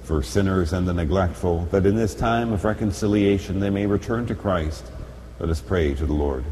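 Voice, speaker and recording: A man speaking as a priest at Mass, reciting solemn liturgical prayers in a formal, measured way, at times chanting, in an echoing church. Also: low voice, warm tone. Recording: echoey church, long reverb, background noise.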